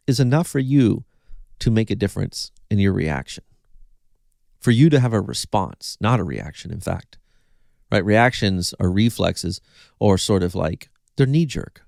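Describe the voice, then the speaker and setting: A man with a fairly low voice talks viewers through an analogy in the manner of a recovery coach. He tells it like a story, voicing people's reactions along the way. The sound is dry and close, with no room around it. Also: gravelly, dry recording. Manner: animated storytelling, acting out quoted reactions.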